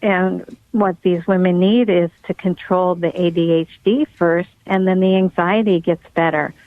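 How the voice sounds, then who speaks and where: A woman's voice: lowish voice, fairly even intonation, unhurried, no echo. Woman guest expert, middle-aged, eager explainer, phone-quality line. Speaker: pediatric neurologist guest. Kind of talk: podcast interview. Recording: tinny phone-like line, dry.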